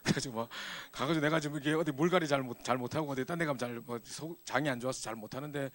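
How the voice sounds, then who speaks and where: A middle-aged man preaching to a church youth group, telling a personal story in a lively, animated way. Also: medium pitch, rapid-fire. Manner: animated storytelling, acts out scenes. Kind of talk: sermon with personal testimony.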